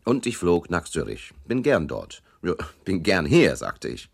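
An actor playing a wisecracking hard-boiled investigator, wry, slangy and offhand, in a radio crime drama. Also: male voice, sits low, wildly swooping pitch, unhurried, creaky, breathy edge, heavily acted. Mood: wry narrating.

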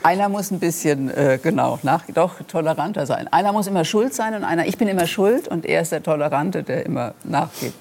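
A woman's voice: low-pitched, animated, brisk, creaky, hardly any pauses, a little mellow, a little hiss or hum. A woman on a talk show who talks freely about her marriage, laughing and teasing herself. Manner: talkative, laughing, self-mocking. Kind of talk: casual chat.

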